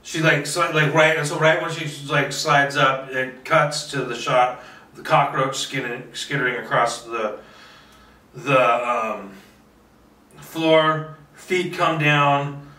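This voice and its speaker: A filmmaker doing a solo table read thinks aloud in a casual, rambling monologue, playfully boastful and swearing a bit as he talks to himself. His voice is fairly high and fairly even, slow, with a sharp tone. The room is echoey and the microphone sits at a distance.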